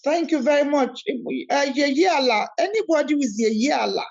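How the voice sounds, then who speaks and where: A woman hosts an online spiritual discussion over a video call, talking animatedly in an emphatic, preacherly style, repeating key words and switching between English and Yoruba. Her voice sits high, with lively intonation, vocal fry and normal speed, and the sound is lo-fi.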